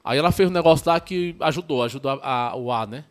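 A Catholic priest from Ceará, speaking with a northeastern Brazilian accent, recounts his story in a casual podcast interview. His medium-pitched delivery is halting and repetitive, and he often ends sentences with a question tag.

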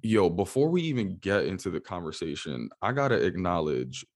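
A man hosting a podcast, upbeat and energetic, chatting in slangy, casual speech and greeting listeners in Spanish. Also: sits low, normal speed. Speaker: podcast host. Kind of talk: casual podcast intro and interview.

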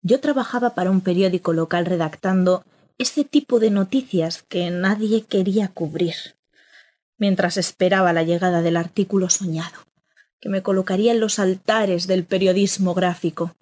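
A woman narrating an audio drama in the first person, reflective and measured. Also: lowish voice, a little mellow.

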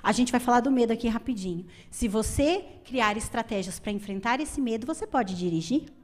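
Woman, slightly high pitch, emphatic, lively, church talk to women. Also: fairly quick. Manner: lively, emphatic, asks the audience questions. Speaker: women's ministry speaker.

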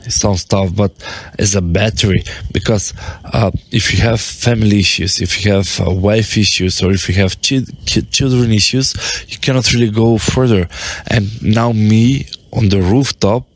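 A man with a fairly low voice talks on his rooftop in an easy, rambling way. His English is loose and he restarts words often as he thinks aloud. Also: moderate pace. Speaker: podcast host and business owner. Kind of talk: casual talk to camera. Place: on his apartment rooftop, outdoors.

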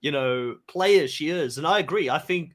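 A podcast host whose first language is Afrikaans. His voice is a bit high for a man. He talks in a chatty, enthusiastic way as he frames his questions. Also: lively intonation, normal speed. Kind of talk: casual interview chat.

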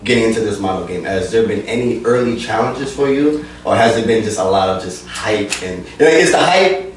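A man with a New Jersey accent hosting an interview for a magazine, energetic and repeating his phrases for hype. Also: on the low side, fairly quick, a little hiss or hum. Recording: echoey room from a distance.

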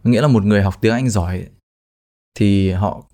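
A man's voice: fairly low pitch, moderate pace, mellow. A young man speaking as a podcast guest in casual chat, plain and modest.

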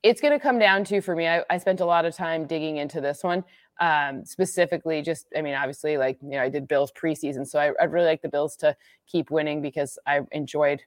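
A woman from the Midwest talking through football analytics in casual chat, quick and full of restarts. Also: sits low, no room sound, clean studio sound. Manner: quick, restarts sentences, laughs at own jokes.

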